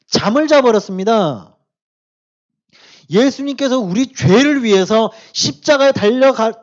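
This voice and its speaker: Animated high-voiced male preacher. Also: highs cut off. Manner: swings from hushed asides to loud emphatic exhortation; casual, speaks directly to the youth with questions. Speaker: preacher at a youth service. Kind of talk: sermon to teenagers.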